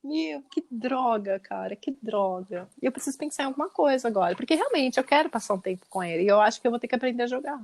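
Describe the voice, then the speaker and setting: A woman's voice: on the high side, fast talker, few pauses. A mother chatting on a podcast, animatedly retelling a story about her son in casual talk. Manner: animated retelling, acting out dialogue.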